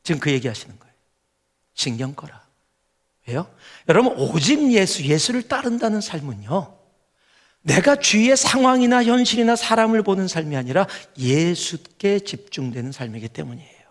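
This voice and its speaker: High-voiced pastor in a ringing hall. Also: male voice, moderate pace. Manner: swings from hushed earnest lines to loud animated storytelling. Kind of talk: sermon. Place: large church sanctuary. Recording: long hall reverb.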